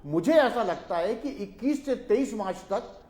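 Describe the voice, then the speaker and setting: A man speaking as a journalist on a TV panel, giving calm political analysis. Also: sits high, echoey room. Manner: measured, addresses the host by name often.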